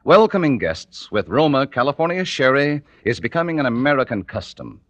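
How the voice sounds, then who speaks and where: A man reading a 1950s radio commercial as the announcer, in a smooth, persuasive way. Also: medium pitch, sing-song, fairly quick, fairly bright tone, no echo. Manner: smooth, persuasive, sing-song. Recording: dry, dull old radio recording.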